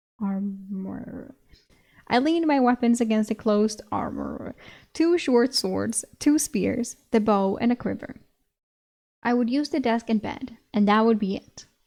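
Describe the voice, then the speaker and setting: Her tone is dark and mellow, as this woman speaks fairly slowly at a fairly high pitch with ordinary pitch variation. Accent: Swedish. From Sweden. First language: Swedish. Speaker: vtuber streamer. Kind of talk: reading aloud with commentary.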